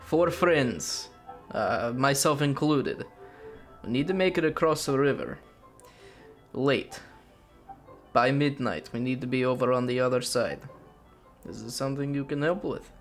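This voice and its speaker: A man's voice: mid-range voice, a little slow, pauses often, soft background music, lightly acted. A man playing a wry, hard-drinking Russian. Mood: businesslike.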